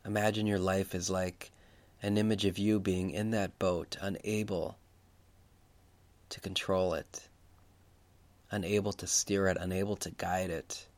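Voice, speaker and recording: A man speaking as a preacher leading a guided Christian meditation, reflective and unhurried, repeating phrases for emphasis. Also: deep voice, flat delivery.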